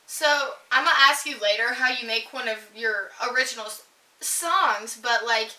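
A woman's voice: on the high side, normal speed, bright, forceful tone. A woman hosting a casual chat, talking chattily with lots of fillers. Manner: chatty, many fillers, giggly. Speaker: host. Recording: roomy, distant mic.

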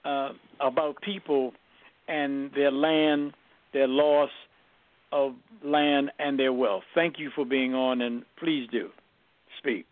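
A man's voice: medium pitch, steady tone, slow pace, no echo, narrow, tinny audio. An older man hosting a discussion informally, hesitantly reworking his phrases as he introduces a guest speaker. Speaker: host, moderator. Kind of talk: informal, halting moderation.

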